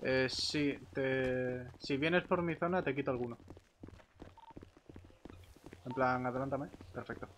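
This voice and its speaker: A man chatting casually in a roleplay game, speaking in a hesitant, halting way. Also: medium pitch, a little hiss or hum.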